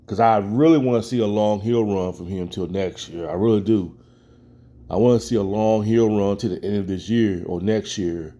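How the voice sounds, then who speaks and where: A man's voice: lowish voice, normal speed, mellow. An American man giving casual, opinionated commentary as a wrestling fan, in colloquial speech, often repeating phrases for emphasis.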